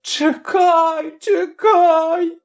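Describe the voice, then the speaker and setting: A narrator voicing a young village woman who shouts in anger and sobs through her words, in an audiobook. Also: fairly even intonation, extremely slow, creaky, soft background music, exaggerated voice. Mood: sobbing. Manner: shrill, shouting and crying. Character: young village woman, wronged, furious and sobbing. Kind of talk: audiobook character voice.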